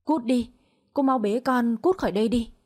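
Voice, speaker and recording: A woman's voice: fairly high pitch, moderate pace, darkish tone, natural voice. A woman voicing a cruel older mother-in-law who scolds with harsh contempt. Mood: scolding.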